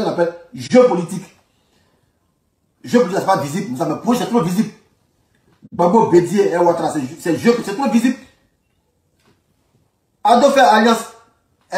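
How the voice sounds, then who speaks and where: A man with an Ivorian accent offers informal political commentary, speaking colloquially and repeating phrases for emphasis. His voice is high with a darkish tone, and he sounds distant from the microphone in an echoey room.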